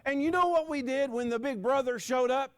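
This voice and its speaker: A man in his sixties preaches a sermon full of dramatic pauses, dropping his voice low on key words. He jokes with the congregation as he goes.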